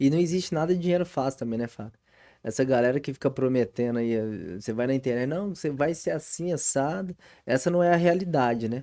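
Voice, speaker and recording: A man with a slight Minas Gerais accent speaks at a fairly quick pace and a fairly high pitch. His tone is dark and mellow, on a very clean recording with a silent background. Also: lively intonation. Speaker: podcast host. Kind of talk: casual chat. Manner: animated.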